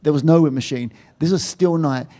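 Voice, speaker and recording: A man's voice: fairly high pitch, brisk, mellow. A man, a film producer, answering questions at a panel with emphatic storytelling.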